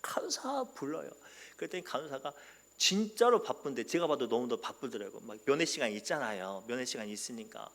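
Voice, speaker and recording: A man preaching a sermon as pastor, animated and sometimes shouting. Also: mid-range voice, fast. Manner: animated, acts out quoted voices and sometimes shouts.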